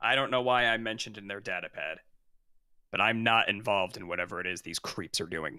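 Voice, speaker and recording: A man speaks in a raspy, put-on character voice at a very fast pace, his pitch fairly low with ordinary variation. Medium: actual play. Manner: terse, gruff.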